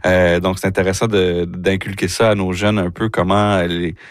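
Low-voiced male radio interviewer, dry sound. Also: little pitch movement, no room sound. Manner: friendly, halting questions with many restarts.

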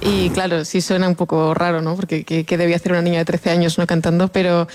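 A woman in her twenties from the Basque Country, a native Basque speaker, chatting about her music in a relaxed, somewhat hesitant way. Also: lowish voice, fast. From Basque Country, Spain. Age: 20s. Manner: relaxed, hesitant, laughs softly. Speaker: singer, interview guest. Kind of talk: casual interview.

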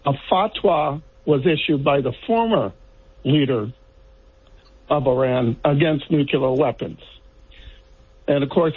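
A man's voice: fairly high pitch, slightly rough. A man from the Virgin Islands calling in to a radio show, making direct points one by one. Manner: direct, lists numbered points. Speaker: caller. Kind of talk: call-in radio question. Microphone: telephone. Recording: tinny phone line.

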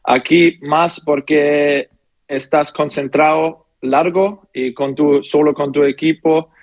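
A young man, a footballer, answering interview questions in halting, speech with many pauses and fillers. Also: a little high, fairly even intonation, no echo. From Austria. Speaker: footballer guest.

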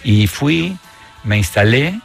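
A middle-aged man from Argentina whose softened Argentine accent shows years in Spain, talking in an unhurried way as a radio guest, pausing and restarting often. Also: medium pitch, expressive, creaky, soft background music. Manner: unhurried, pauses and restarts often, lists things. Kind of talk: relaxed radio interview.

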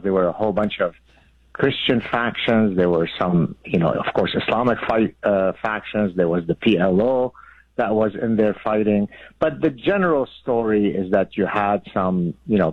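A man of around sixty, from Lebanon, a guest author explaining things in a measured way with frequent fillers. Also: on the low side, animated, no echo. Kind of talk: radio interview. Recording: phone line.

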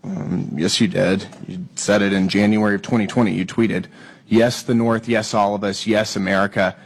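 A man with a hoarse voice from a cold, questioning a witness at a hearing and pressing his points with stumbling restarts. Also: fairly low pitch, flat delivery, normal speed, a little hiss or hum. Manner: pressing, repeats words when starting. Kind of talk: hearing interrogation.

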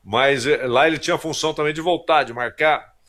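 A man's voice: on the high side, a little fast, fairly bright tone. A man commentating on a radio sports show, telling anecdotes and repeating words as he thinks. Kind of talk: casual radio chat.

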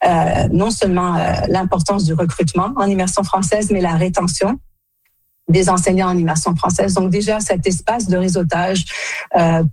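A middle-aged woman from Quebec answering radio interview questions as an association director, speaking haltingly with many fillers and self-corrections. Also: on the low side, darkish tone, husky, no echo. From Quebec, Canada. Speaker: association director general, guest.

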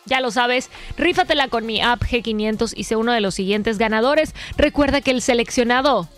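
A high-pitched woman hosting a radio show, talking in a chatty, playful way full of fillers. She has a mostly neutral Mexican Spanish accent with a slight Yucatecan touch. Faint music plays under her voice in the studio. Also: normal speed, fairly bright tone. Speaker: radio host. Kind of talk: casual radio chat.

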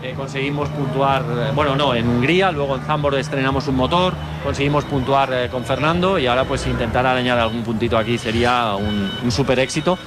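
Team guest, male, Barcelona-born, slight Catalan accent, careful and hesitant, mid pitch, noisy outdoor spot. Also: fairly even intonation. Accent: light Catalan. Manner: measured, hesitant with fillers. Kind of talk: outdoor interview.

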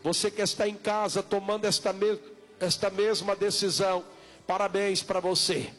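A man with a Brazilian Portuguese accent preaching as an evangelical pastor, urging people insistently with repeated, drawn-out calls during an altar call. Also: sits high, steady tone, fairly bright tone, faint music behind.

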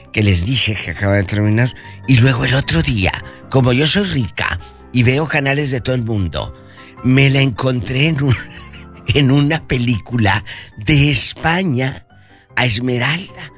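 Man, radio host, campy celebrity gossip, mid pitch. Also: animated, normal speed, a bit bright, faint music behind. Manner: campy, chatty and theatrical. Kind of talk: gossip chat.

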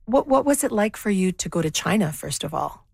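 A woman's voice: mid-range voice, sing-song, brisk, vocal fry, a little mellow, breathy edge, dry recording, clean studio sound. A woman host interviewing a guest, asking brief, curious questions with small restarts.

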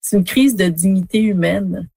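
A woman, a public health director, speaks gravely and deliberately. Her voice is husky with a gravelly edge and a dark tone, and the sound is dry. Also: mid-range voice, no room sound.

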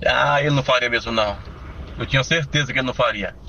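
Guy calling into a radio show, bright edgy voice, kinda muffled line, real insistent. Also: mid-range voice, very fast, vocal fry, a little hiss or hum. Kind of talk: casual call-in chat.

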